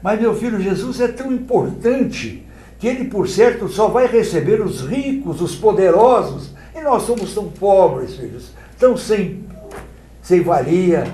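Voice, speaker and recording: Man voicing a desperate poor mother, soft pleading, storybook telling, lively pitch, roomy sound. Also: measured pace.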